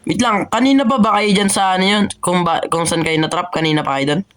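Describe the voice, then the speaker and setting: Play a young gamer chatting through a role-play session: loose, jokey and teasing, tossing off casual banter at a buddy as the scene unfolds. Keep it relaxed and conversational, like talking over a game with a friend. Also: mid-range voice, quick pace. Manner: joking, teasing banter, calling others "boy".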